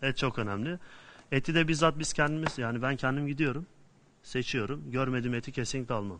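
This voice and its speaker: A man speaks fairly quickly, his pitch varying in an ordinary way, with light noise in the background. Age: 20s. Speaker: butcher. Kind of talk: cooking demonstration. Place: studio. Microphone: lapel.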